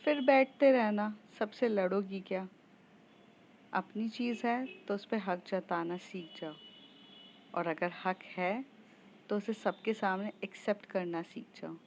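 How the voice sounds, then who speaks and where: A woman's voice: medium pitch, takes it slowly, darkish tone, muffled recording, a little hiss or hum. A woman doing a teasing, playful young woman. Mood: earnest advice. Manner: teasing, sing-song.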